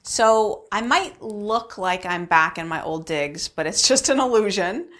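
A woman's voice: mid-range voice, lively intonation, a little slow, a bit bright. A woman talking casually and explaining things as a vlog host, with emphatic conversational delivery, recorded in an echoey, bare unfinished room. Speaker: vlog host answering viewer questions. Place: unfinished basement room with cinder blocks and subflooring.

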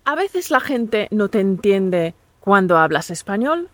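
A woman from talks through a prepared lesson at a close mic, calm and deliberate, and she cheers the listener on. The recording is dry, with no room sound around her voice. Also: medium pitch, no echo. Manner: calm, clear and deliberate, encouraging. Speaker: Spanish teacher and podcast host. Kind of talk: scripted lesson narration.

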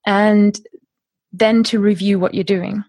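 A woman's voice: medium pitch, steady tone, slow, a little mellow, no room sound. German-native woman, thirties, chatty guest, frequent laughs, dry close sound. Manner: chatty, laughs often, restarts phrases. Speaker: guest, language course creator. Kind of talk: conversational podcast interview.

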